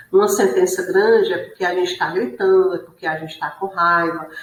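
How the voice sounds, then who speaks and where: A woman's voice: medium pitch, a bit bright. A woman teacher giving an online class lecture, explaining patiently and often checking in with tag questions. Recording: roomy echo.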